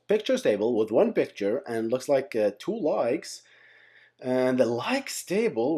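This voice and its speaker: Man, low mellow voice, casual tech teacher, rambling, repeats and corrects himself. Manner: informal, rambling, self-correcting, repeats words. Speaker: tech teacher and channel host. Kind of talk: casual whiteboard-style lesson, explaining by example.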